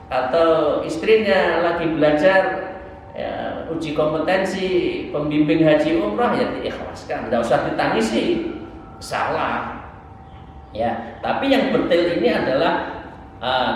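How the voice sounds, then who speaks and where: A man in his sixties with a Javanese accent gives an informal religious lesson, exhorting conversationally with rhetorical asides. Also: fairly high pitch. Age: 60s. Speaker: Islamic preacher and Sufi teacher. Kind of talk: sermon, informal religious lesson explaining a book. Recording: very echoey hall, distant mic, faint noise.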